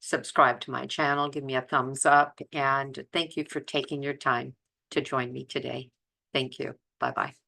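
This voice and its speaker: Older woman, very low bright voice. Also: level tone, moderate pace, gravelly. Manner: earnest, emphatic, repeats words for stress. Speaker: health vlogger. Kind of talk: casual, chatty talk to viewers.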